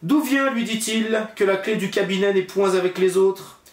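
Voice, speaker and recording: A man's voice: sits high, moderate pace, pitched above the performer's own voice, lightly acted. A man voicing a cruel, murderous rich husband in a storybook, talking in a stern, threatening way. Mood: menacing. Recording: roomy echo.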